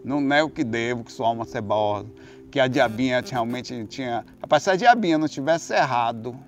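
Expressive and fairly quick, a mid-range male voice with a Brazilian Portuguese accent delivers a long, loose monologue. He swears liberally and his volume keeps swinging from whispery to loud.

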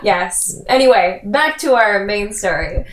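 A woman's voice: mid-range voice, animated, unhurried, rough recording. A woman hosting a podcast, asking questions in an upbeat, enthusiastic way. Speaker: podcast host. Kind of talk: casual podcast chat.

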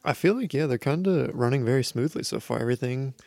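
Male podcast co-host, gravelly, excitable, swears a lot, dry close mic. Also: medium pitch, quick pace, no room sound. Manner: excitable, swears often, jokey. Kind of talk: casual live commentary.

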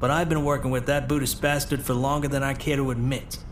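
A man playing a gruff, wry police commissioner in a pulp radio drama, commanding and informal. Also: medium pitch, level tone, fast talker, slight background noise, natural voice. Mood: wry, frank.

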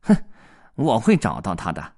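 A man's voice: medium pitch, slow, creaky, bright, forceful tone, pitched above the performer's own voice, full character voice. A man voicing a stern, grumpy house cat in a children's storybook, speaking curtly and adding meows. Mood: scornful. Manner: curt, scolding, adds meows.

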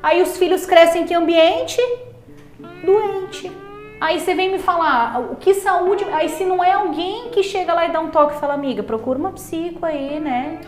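A woman psychologist chatting on a podcast, blunt and animated, acting out the people she quotes. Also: very high voice, moderate pace, faint music behind. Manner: animated, blunt, acts out quoted parents and patients. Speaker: psychologist guest. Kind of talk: casual podcast chat. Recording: roomy echo.

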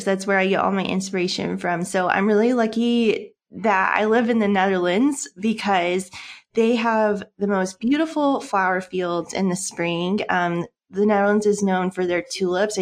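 Chatty woman from Seattle. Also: medium pitch. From Seattle, United States. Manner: friendly, chatty, with small laughs and restarts. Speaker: podcast guest, paper craft designer. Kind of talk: casual interview answers.

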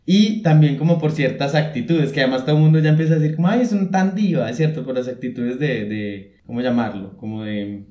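A man talks casually as a podcast co-host, rambling a little as he looks for the right word. His pitch is average, and the recording has noticeable room echo. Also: steady tone, fairly quick, few pauses, mellow. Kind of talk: casual conversation. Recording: roomy, echoey room.

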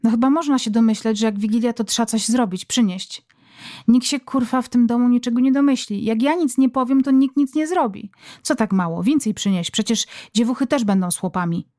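A woman's voice: a little high, fairly quick, mellow, dry recording, studio quality, natural voice. A woman voicing a domineering, foul-mouthed middle-aged country mother who scolds her family in rural dialect. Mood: scolding.

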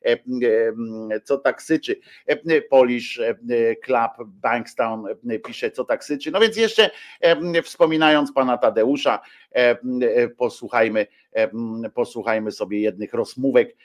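A male radio host chats casually and reads out listener messages. He pauses often on drawn-out fillers, and his voice stays at an ordinary, middle pitch. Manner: hesitant, full of drawn-out fillers.

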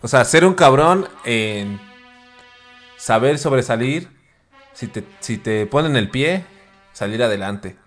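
A man's voice: mid-range voice, animated, takes it slowly, pauses often. A Mexican man with a mid-range voice speaks earnestly in a casual chat. He stresses his ideas by saying them again and again. Faint music runs under his voice. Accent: Mexican Spanish.

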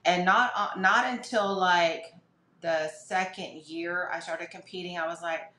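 Middle-aged woman, podcast guest, chatty and rambling, low voice, echoey room. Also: fairly even intonation, unhurried, sharp tone. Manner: chatty, many fillers and restarts. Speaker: podcast guest, fitness competitor. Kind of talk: casual storytelling interview.

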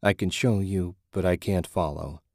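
A calm, grim blind man leading strangers through the tunnels, done by a male narrator. His voice is deep and matter-of-fact. The recording is dry and close. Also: moderate pace, no echo.

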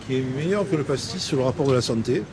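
A man's voice: mid-range voice, animated, fast. An older man from Marseille with a light Marseille accent, rambling in a playfully grandiloquent way while chatting outdoors. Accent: Marseille French, lightly mixed. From Marseille, France. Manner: mock-learned, playfully grandiloquent. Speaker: interviewee passer-by. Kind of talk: rambling philosophical bar chat. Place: outdoors, urban terrace. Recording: outdoor street noise.

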